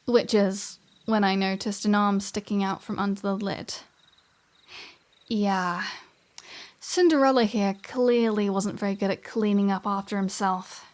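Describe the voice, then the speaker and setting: A woman's voice: medium pitch, steady tone, a little slow, natural voice. A woman playing a flirty, self-serving vampire in a scripted audio roleplay, speaking to the listener in a teasing, wry, conversational way. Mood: sardonic, chatty.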